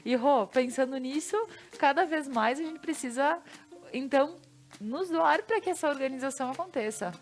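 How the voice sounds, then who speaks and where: A woman's voice: high-pitched, moderate pace. A woman with a Brazilian Portuguese accent hosting a morning TV talk show, chatty and effusive.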